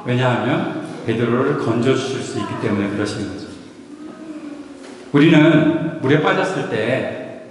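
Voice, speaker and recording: A man's voice: on the high side, slight background noise. A man preaching a sermon as pastor, playful and often laughing as he asks the congregation questions. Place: church sanctuary. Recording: echoey hall from far off.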